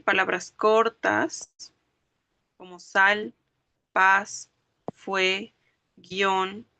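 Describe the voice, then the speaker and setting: Her voice is mid-range and sharp, captured dry, as she teaches an online language class. She goes through the rules step by step, spells words syllable by syllable, and checks understanding with frequent questions.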